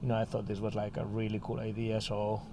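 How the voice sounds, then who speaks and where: A man's voice: on the low side, completely flat delivery, fast talker, mellow, slight background noise. A man from Spain with a Spanish accent, a music school co-founder chatting casually on a podcast and telling a story with lots of fillers. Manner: storytelling, many fillers like "you know" and "like".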